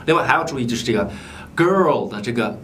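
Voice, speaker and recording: A man playing a mock English teacher in a comedy sketch. He lectures the student directly and overenunciates English words very slowly. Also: medium pitch, expressive, a bit bright, slight background noise.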